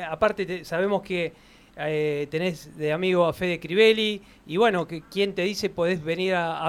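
A man's voice: on the high side, clean tone. A man with a Rioplatense accent hosting a radio sports show, interviewing a guest with a hesitant delivery. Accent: Rioplatense Spanish.

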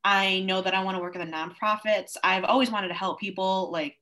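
A woman's voice: medium pitch, steady tone, brisk, bright, forceful tone. A woman of twenty-one, a college student, talking as an interview guest in an earnest, upbeat way. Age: 20s. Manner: earnest, upbeat, with frequent fillers. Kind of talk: casual interview conversation.

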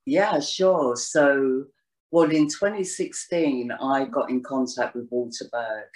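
A woman's voice: rumbling low, slow, a crowd in the background. A woman guest in a casual interview, talking at length in a rambling way with lots of "you know"s and restarts. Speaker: astrologer guest.

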